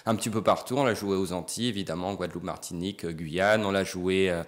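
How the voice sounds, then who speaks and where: A man's voice: deep voice, fairly even intonation, fast talker. Chatty man with Breton-Caribbean accent. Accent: mix of Breton and French Caribbean. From Brittany, France. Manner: chatty, many fillers and restarts. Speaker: comedian and actor. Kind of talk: casual interview.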